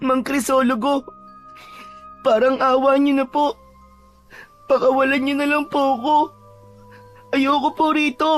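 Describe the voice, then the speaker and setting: Woman playing a frightened, high-voiced little boy. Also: flat delivery, measured pace, pauses often, soft background music. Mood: frightened pleading. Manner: plaintive, polite, pleading. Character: frightened, pleading young captive boy. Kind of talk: Filipino audio drama acting.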